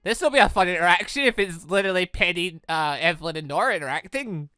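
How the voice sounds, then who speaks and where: Bright, clear-voiced, rambling gaming commentator. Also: medium pitch, lively intonation, fast talker, no room sound, clean studio sound, soft background music. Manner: rambling, chatty, frequently side-tracked. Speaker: gaming video creator, narrator. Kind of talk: casual visual novel let's play, reading dialogue aloud and commenting.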